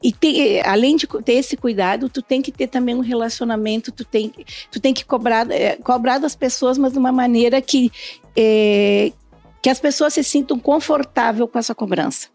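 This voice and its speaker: A woman's voice: fairly high pitch, moderate pace, a little mellow, no room sound, faint music behind. A middle-aged or older woman chatting as a podcast guest, telling stories and acting out quoted exchanges. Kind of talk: casual conversational interview, anecdotes.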